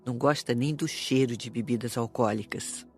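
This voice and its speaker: A woman playing a calm, serious spirit teacher in an audiobook, speaking in a measured, didactic way. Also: rumbling low, soft background music. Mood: reassuring. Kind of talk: audiobook dialogue.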